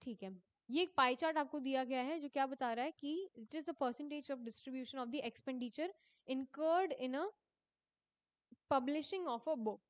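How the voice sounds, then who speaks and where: High-voiced woman teaching slowly. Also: no room sound. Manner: reads questions slowly, then explains quickly in Hindi mixed with English; addresses students as children, ends answers with a falling tone. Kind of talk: exam paper walkthrough.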